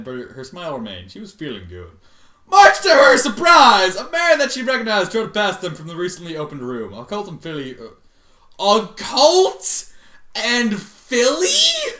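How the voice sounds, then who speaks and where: Comedic fan-fiction reader: bright, forceful voice, very animated, sweary and exasperated, roomy sound. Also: medium pitch, moderate pace. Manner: foul-mouthed, exasperated outbursts between read passages. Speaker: online reader and commentator. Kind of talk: comedic dramatic reading of fan fiction with reactions. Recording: echoey untreated room.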